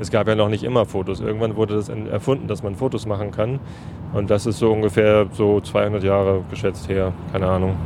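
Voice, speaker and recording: Over noticeable background noise, a man talks at a fairly quick pace with fairly low pitch and fairly even intonation. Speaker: podcast host and father. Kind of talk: casual chat. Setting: in a car.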